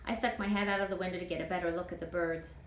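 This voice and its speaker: Female storyteller for children's fiction, expressive read-aloud, somewhat low voice, recorded with noticeable room echo. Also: very fast. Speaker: author reading her novel aloud. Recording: roomy echo, clear background noise.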